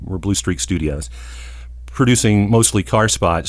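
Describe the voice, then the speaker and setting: A man with a very deep, low pitch talks at a very fast pace. His intonation is lively. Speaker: online casting site partner, former radio voice talent. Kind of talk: casual interview.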